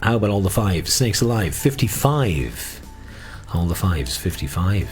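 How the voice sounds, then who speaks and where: A middle-aged Irish man hosts as a bingo caller, his slightly low voice swinging widely as he sings out the numbers and chats casually between calls. Light music plays behind him. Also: big pitch swings, measured pace. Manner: sing-song number calls with repeats and rhyming nicknames. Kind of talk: bingo calling with casual chat.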